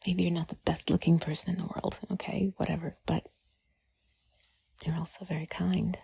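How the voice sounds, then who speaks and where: Breathy, husky whispering woman. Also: on the low side, little pitch movement. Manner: soothing, gently reassuring, drawn-out pauses. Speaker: audio creator speaking to the listener. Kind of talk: intimate whispered ASMR comfort talk.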